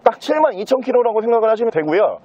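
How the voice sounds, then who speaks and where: A man's voice: very high-pitched, sing-song, rapid-fire, mellow, muffled recording. A man presenting a used car in a walkaround sales video, talking in the fluent patter of a car salesman.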